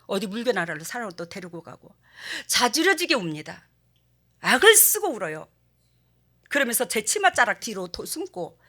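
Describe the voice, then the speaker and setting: Older woman pastor, sermon, bright voice, pitch swooping all over, acts out quotes. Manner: animated storytelling, acting out quotes.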